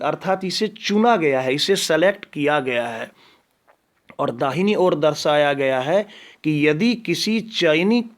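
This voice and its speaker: A male Sanskrit teacher going through a school syllabus for his students, patiently repeating what they must and must not study. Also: fairly high pitch. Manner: slow, patient, repeats each item.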